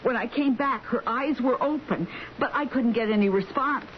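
An actress playing a nurse in a radio drama, polite, flustered and stammering. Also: female voice, on the high side, moderate pace, lightly acted. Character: flustered, apologetic home nurse. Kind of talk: old-time radio drama acting. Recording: dull vintage radio recording, faint hiss.

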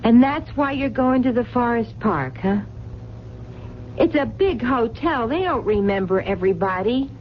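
A stubborn, lovestruck radio-drama heroine with a streetwise, blunt way of pleading. Her voice sits fairly high and swings widely. The sound is dull and slightly noisy. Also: animated, a little slow. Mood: wary, challenging. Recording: dull lo-fi radio recording, faint rumbling noise.

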